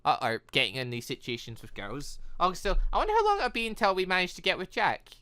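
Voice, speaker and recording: Female let's player, lowish voice with very lively swings, excitable reactions, close dry sound. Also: fast talker, no room sound. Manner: animated, exclaiming reactions. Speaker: let's play host. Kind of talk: excitable video game commentary, reading dialogue aloud.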